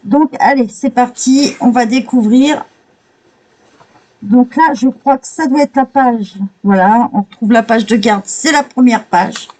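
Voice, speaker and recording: A woman with a mellow, warm voice talks her way through a coloring book, page by page. Her voice sits a little high, and she keeps stopping to gush in admiring little exclamations. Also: measured pace, poor audio. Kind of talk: casual flip-through commentary.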